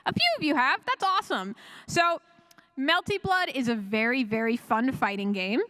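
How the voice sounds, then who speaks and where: Female panelist, slightly high voice, casual and enthusiastic fan delivery, rambles and corrects herself. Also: normal speed, pushed and bright. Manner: chatty and rambling, with frequent self-corrections and chuckles. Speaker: convention panelist. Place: live panel room at a fan convention.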